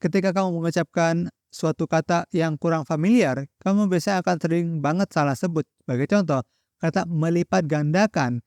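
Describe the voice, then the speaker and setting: Young Indonesian man, higher voice, dry sound. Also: brisk, darkish tone, clear, resonant tone, no room sound. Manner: direct, addresses viewer as friend, instructive. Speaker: content creator teaching public speaking. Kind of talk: scripted-sounding solo tutorial to camera.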